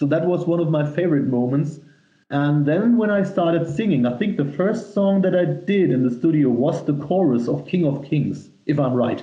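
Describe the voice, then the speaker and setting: With a German accent, a man talks at a moderate pace and a fairly high pitch, with ordinary pitch variation, very even loudness and audible room echo. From Germany, strong dialect region. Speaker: heavy metal singer. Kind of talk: phone interview. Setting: phone call.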